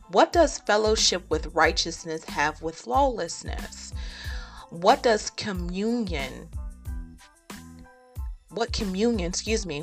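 A woman with a low, gravelly voice teaches the Bible in an earnest, chatty way. She fills her talk with ums and falls into preacherly rhymes. Faint music plays behind her. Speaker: podcast host and teacher.

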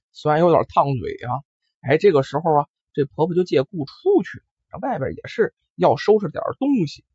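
A man telling a ghost tale in an animated oral storytelling style, full of exclamations, in a lo-fi recording. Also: high-pitched, husky, no echo. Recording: dull lo-fi recording.

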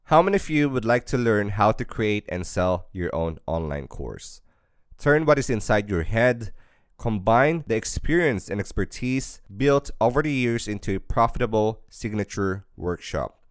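A man hosts a podcast with an upbeat, emphatic pitch. His somewhat low voice comes across smooth and resonant, recorded dry and close with no room sound. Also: lively intonation, moderate pace, dry recording. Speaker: podcast host. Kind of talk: promotional podcast intro and interview.

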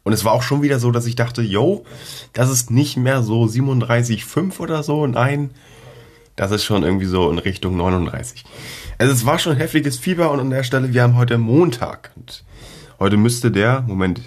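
Sitting close to his podcast mic, a teenage host chats on his own show in a slangy, rambling way full of fillers, occasionally coughing from a cold. He talks briskly in a mid-range, darkish voice.

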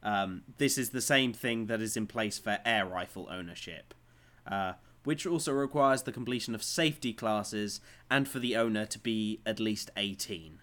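A man's voice: on the low side, normal speed, a bit bright. A man co-hosting a casual news chat, joking in a dry way with plenty of ums and uhs. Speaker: podcast co-host.

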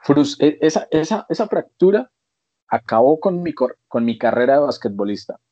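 A young Colombian man with a Colombian accent, a podcast co-host telling a casual story with lively quoted voices. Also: a little high, normal speed, muffled recording. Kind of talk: casual chat.

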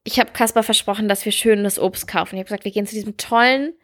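A woman's voice: mid-range voice, steady tone, quick pace. A woman co-hosting a podcast, telling stories in a chatty, giggly way. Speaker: podcast co-host. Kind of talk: casual chat.

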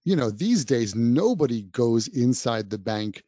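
A man's voice: mid-range voice, big pitch swings, unhurried, warm tone, no room sound. A man who teaches English, giving encouraging podcast advice straight to the listener. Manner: encouraging, speaks directly to the listener. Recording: dull, dry, slightly lo-fi sound.

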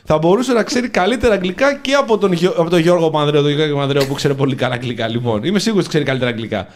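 A man co-hosts a satirical talk show. His voice sits fairly high and swings up and down a lot, and he rambles through mock-patriotic bits. The talk is casual and joking. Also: lively intonation, a little hiss or hum. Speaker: podcast co-host.

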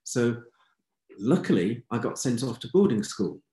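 A man in his sixties with a well-spoken English accent, recounting his life story as an interview guest in a measured, candid way. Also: mid-range voice, lively intonation, mellow, reverberant. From England. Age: 60s. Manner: measured, candid, matter-of-fact. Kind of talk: reflective life-story telling.

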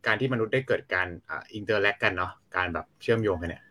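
A man in a casual chat who often murmurs agreement and speaks softly when sharing his own view. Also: fairly low pitch, quick pace.

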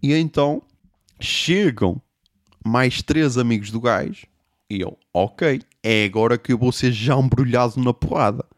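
A young man telling a comic story, animated, swearing and making sound effects. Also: medium pitch, a little slow, no echo, studio quality. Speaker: podcast host.

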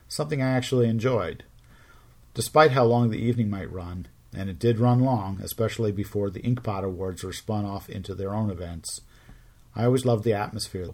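A middle-aged man hosting a podcast, telling stories in measured scripted narration with wry asides. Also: lowish voice, a little mellow. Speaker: podcast host.

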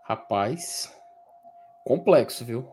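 A man's voice: mid-range voice, expressive, very slow, darkish tone, slight background noise. A man co-hosting a casual chat, tired and joking in teasing banter. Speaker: podcast co-host.

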